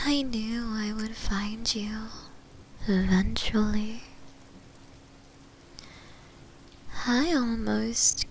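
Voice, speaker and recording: A woman voicing a flirty, possessive shadow demon in a breathy, intimate whisper for an ASMR roleplay. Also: mid-range voice, slight background noise. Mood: tender, possessive. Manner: slow, intimate, lingering delivery with long pauses.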